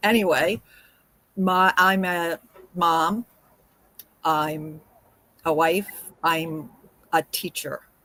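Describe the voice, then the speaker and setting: Using a bright, sharp tone and a fairly low pitch, a woman speaks at a very slow pace with fairly even intonation and long, frequent pauses, in a dry, close sound with no echo. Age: 60s. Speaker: teacher. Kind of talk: personal introduction.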